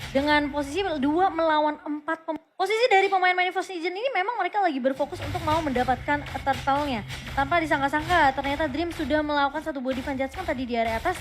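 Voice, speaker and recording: A woman's voice: high voice, quick pace. A woman with an Indonesian accent giving chatty, explanatory esports commentary on plays, mixing in English game terms. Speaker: esports caster, analyst. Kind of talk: esports caster commentary, analysing plays beside a co-caster. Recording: clear noise behind the commentary.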